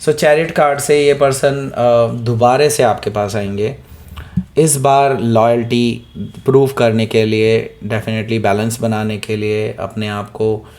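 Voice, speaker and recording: A man with a hoarse throat giving a weekly tarot reading, talking straight to the viewer, often checking in with "okay?" and mixing in English words. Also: lowish voice, darkish tone. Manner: keeps asking "okay?" to the listener, mixes in English words. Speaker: tarot reader.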